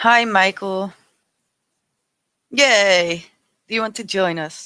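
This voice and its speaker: A woman talks at a very slow pace with a bright, sharp tone, a medium pitch and ordinary pitch variation. The recording is very clean, with a silent background. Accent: non-native. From Colombia. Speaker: tarot reader. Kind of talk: casual chat. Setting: live stream. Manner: laid back.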